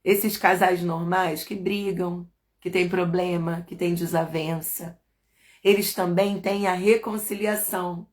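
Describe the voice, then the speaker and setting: A woman's voice: lowish voice, steady tone, measured pace. A middle-aged woman pastor with a Brazilian accent, giving a chatty, playful live church talk to women and asking her listeners questions. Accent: Brazilian Portuguese.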